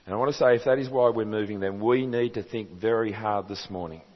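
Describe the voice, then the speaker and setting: A man's voice: lowish voice, fairly quick. An Australian man preaching a sermon as pastor, earnest and emphatic, asking his listeners rhetorical questions. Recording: reverberant hall, dull sound.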